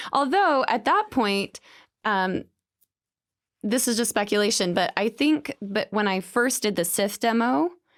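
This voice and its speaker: With an ordinary speaking voice, a woman talks fairly slowly at a fairly high pitch, using lively intonation and very even loudness, in a dry, close sound with no echo on a very clean recording with a silent background. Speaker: session singer and voice actor. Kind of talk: interview answer.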